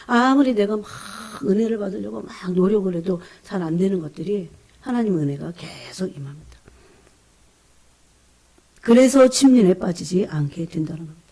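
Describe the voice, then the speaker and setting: A woman preaching a fervent, emotional sermon, often calling out to her congregation and dropping into hushed whispers between bursts of emphasis. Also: mid-range voice, expressive, moderate pace.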